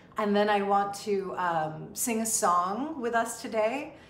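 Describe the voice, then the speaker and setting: A woman talks at a fairly slow pace, and audible room echo is present. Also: ordinary pitch variation. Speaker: sound healing host. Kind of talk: casual live stream chat. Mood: warm, excited. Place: home room.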